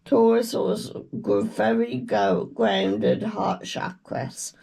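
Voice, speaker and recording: A woman with a British accent, croaky from a cold, giving a slow, meandering tarot reading with murmured chants. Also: medium pitch, lively intonation, mellow. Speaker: tarot reader. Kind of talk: casual tarot reading chat.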